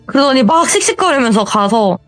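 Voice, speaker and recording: A woman's voice: fairly high pitch, lively intonation, fairly quick, no room sound, soft background music. A woman telling a true horror story in a conversational, wry way.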